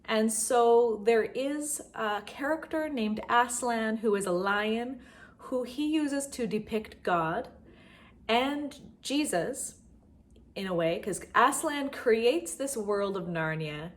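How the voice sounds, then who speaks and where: A middle-aged woman hosts a homeschool vlog, chatting casually and directly with her viewers about books. Her voice sits a little high, with lively intonation, and she takes her time.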